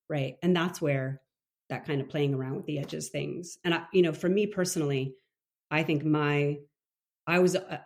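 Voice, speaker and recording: A woman's voice: sits low, darkish tone. A woman who works as a leadership coach, a guest in a casual interview, talking in a thoughtful, reflective way. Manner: thoughtful, reflective, with many fillers and restarts.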